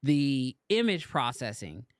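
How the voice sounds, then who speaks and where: A man hosting a podcast, chatting casually and quickly, often rephrasing his questions. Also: mid-range voice, sing-song, dry recording, clean studio sound. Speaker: podcast host.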